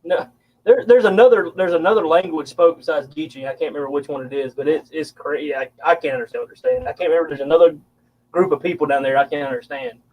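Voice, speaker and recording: Southern guy telling a story, bit high voice, muffled lo-fi audio. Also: steady tone, quick pace. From South Carolina upstate. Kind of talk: casual storytelling. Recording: dull lo-fi sound.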